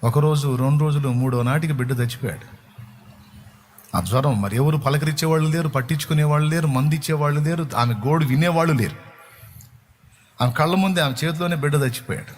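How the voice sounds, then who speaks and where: A male pastor telling a story in a dramatic, repetitive sermon, building up to loud proclamations. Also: fairly high pitch, fast talker, a little hiss or hum.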